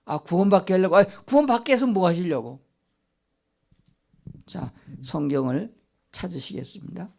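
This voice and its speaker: A man's voice: high voice, moderate pace, gravelly, long pauses, a little mellow. Older male pastor, questioning sermon. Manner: asks the congregation rhetorical questions and answers them himself. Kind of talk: Sunday sermon. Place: church sanctuary.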